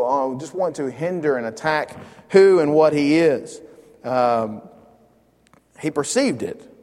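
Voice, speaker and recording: A man leading an informal Bible study, earnest and conversational, thinking aloud as he explains a passage. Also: on the high side. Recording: long hall reverb.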